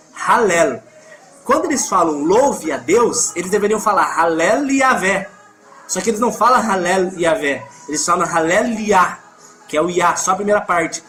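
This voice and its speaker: A man's voice: high-pitched, fairly bright tone. A man with a Brazilian Portuguese accent leading a live Bible study, emphatic, reading scripture aloud and correcting himself as he goes.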